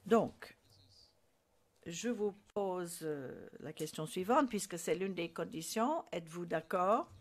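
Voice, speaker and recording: A woman giving a formal courtroom interpretation of procedural rulings, in a measured way with frequent hesitations. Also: lowish voice, lively intonation.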